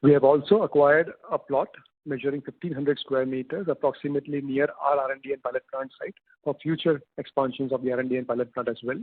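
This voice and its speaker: A man giving a formal business update as a company executive, speaking in measured, halting short phrases. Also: medium pitch, steady tone, slightly rough. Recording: echoey, tinny phone-line conference call.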